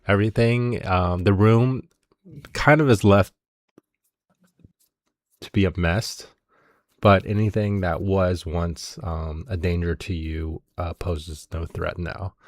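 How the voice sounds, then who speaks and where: A man narrating as game master in a tabletop game, halting with many fillers. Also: low voice, fairly even intonation, dry recording, studio quality.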